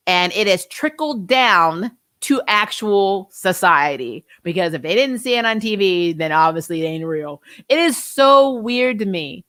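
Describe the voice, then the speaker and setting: A woman in her forties hosts an unscripted chat, answering viewers with a rambling, talkative manner and frequent laughs. Her voice sits at a medium pitch and sounds dry and close, with no room echo. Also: fairly bright tone. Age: 40s. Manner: chatty, rambling, laughs often. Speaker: host reading viewer comments. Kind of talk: casual livestream chat.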